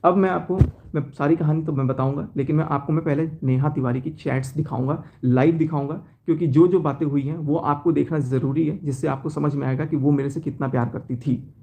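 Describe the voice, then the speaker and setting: A man's voice: a little high, fairly even intonation, a little fast, creaky, warm tone, husky. A man talking on a phone live stream, laying out his side in an aggrieved, accusing way as he reads out chat messages. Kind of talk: casual live-stream talk, reading out chats.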